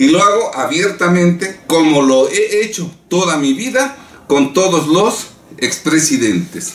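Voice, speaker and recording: Very slow, high-pitched male speech with a Mexican accent and very wide pitch swings over noticeable background noise. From Mexico. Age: 60s. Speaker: political commentator. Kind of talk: political commentary monologue.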